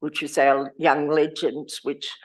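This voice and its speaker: Hoarse woman, lower register, chatty and rambling, speaking at a lectern in a council chamber. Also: little pitch movement, slow pace. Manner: chatty, rambling, with restarts and laughs. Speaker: community award volunteer. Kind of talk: informal speech at a council meeting. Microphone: lectern microphone.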